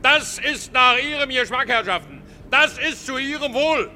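An actor playing a brash, wisecracking street hawker, declaiming a sales patter in a radio drama. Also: male voice, extremely high pitch, a little slow, pushed and bright, full character voice. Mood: cajoling, wisecracking. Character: brash, wisecracking Berlin street hawker selling cheap wares. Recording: long reverb, faint street traffic noise.

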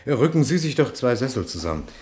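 An actor playing a gruff, exasperated, sardonic police inspector in a German crime radio play. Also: male voice, mid-range voice, big pitch swings, quick pace, very noisy, lightly acted. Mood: weary. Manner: insistent questioning, muttering and sardonic. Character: gruff, exasperated male French police inspector investigating a murder.

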